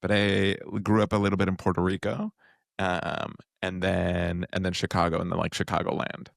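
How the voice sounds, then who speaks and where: A man from Colombia, a guest comedian chatting in casual podcast banter, animated and lively in his storytelling. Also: normal speed, vocal fry, dry recording, studio quality. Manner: animated, jumps up in pitch for quoted voices.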